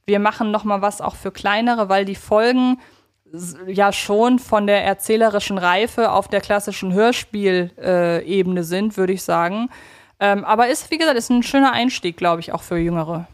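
A woman's voice: medium pitch, moderate pace. A woman co-hosting a casual fan podcast, chatty and thinking aloud as she rephrases her points. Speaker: podcast co-host.

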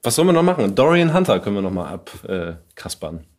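Low-voiced man, casual interviewer. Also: sing-song, fast talker, darkish tone. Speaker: podcast host, interviewer. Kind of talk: casual chat.

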